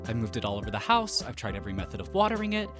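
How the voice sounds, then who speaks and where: A man playing an expressive, slightly melodramatic character in an audio drama. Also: fairly low pitch, rapid-fire, music in the background. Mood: plaintive.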